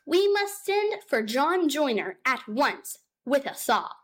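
A woman voicing a brisk, stern neighbor cat in a storybook reading, speaking firmly and steadily. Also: high voice, very animated, fairly bright tone, pitched above the performer's own voice, exaggerated voice. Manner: firm, measured, unflustered.

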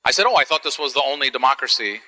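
A man from Palestine hosting a live event, telling a stand-up story in an animated, wry, punchy way. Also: very fast, slight background noise. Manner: animated, wry, punchy delivery with swings in pitch. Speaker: comedian and event host. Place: large church hall. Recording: live hall with long reverb.

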